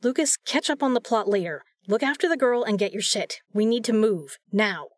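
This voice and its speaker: A woman's voice: a little high, animated, moderate pace, no echo, clean studio sound. A woman playing a decisive, no-nonsense female agent in an audio drama, with a commanding manner. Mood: urgent. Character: brisk, decisive, principled female secret agent.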